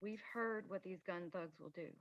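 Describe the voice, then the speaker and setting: A woman's voice: lowish voice, moderate pace, lo-fi sound, close to an everyday voice. A woman reading the part of an urgent, protective organizer in a period drama, plain-spoken and directive. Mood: urgent warning. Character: urgent, protective female organizer warning mining-town families. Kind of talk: screenplay table read.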